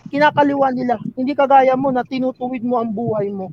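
Very high-voiced man, earnest chat. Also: fast talker, highs cut off. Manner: earnest, addresses others as sir. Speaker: show regular. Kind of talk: casual chat.

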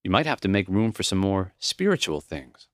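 A man reading the lines of a gentle, reflective old dying professor in a memoir audiobook, earnest and plain-spoken. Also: low voice, very animated, normal speed, no room sound, clean studio sound. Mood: gently earnest.

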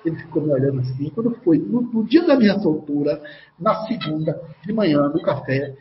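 A man's voice: on the high side, lively intonation, a little fast. A man, a guest in an interview, telling a personal story vividly and acting out what other people said. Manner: vivid retelling that often acts out others' words. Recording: echoey, dull sound with faint noise.

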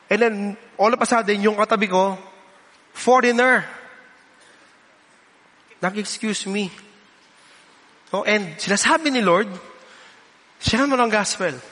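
A man's voice: sits high, takes it slowly, pauses often, bright, forceful tone, long reverb tail. A male pastor giving a sermon, telling personal stories and acting out quoted voices, switching between English and Filipino.

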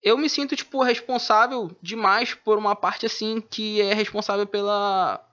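A man's voice: sits high, steady tone, normal speed, bright, forceful tone. A man, a rapper guest talking casually in an interview, full of laid-back street slang. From Manaus, Brazil. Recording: dull lo-fi audio.

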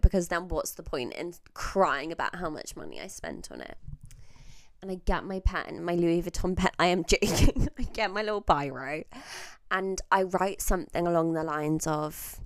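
A woman's voice: lowish voice, vocal fry, dry recording, studio quality. A young woman with an Australian accent hosting a casual solo podcast, chatty and self-mocking, swearing freely while getting over a chest infection. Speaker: podcast host.

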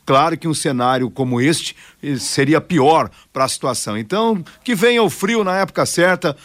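A man giving measured, explanatory commentary in a conversational radio news style. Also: fairly high pitch, animated, a bit bright.

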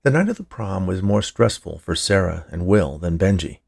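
Male storyteller for a fiction podcast: deep, fry-edged voice, measured scripted narration. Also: expressive, darkish tone. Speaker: writer, narrator and podcast producer.

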